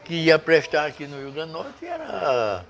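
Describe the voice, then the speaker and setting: An older man, a doctor reminiscing in casual conversation, halting and searching for names. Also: a little high, huge pitch swings. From Brazil. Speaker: guest doctor.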